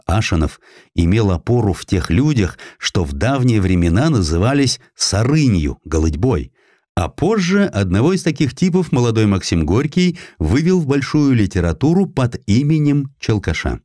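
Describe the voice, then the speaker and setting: A male audiobook narrator with a low voice tells a historical tale theatrically. His intonation moves widely and expressively, and the sound is close and dry. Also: big pitch swings, normal speed, darkish tone, no room sound. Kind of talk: dramatized scripted narration of a historical sketch.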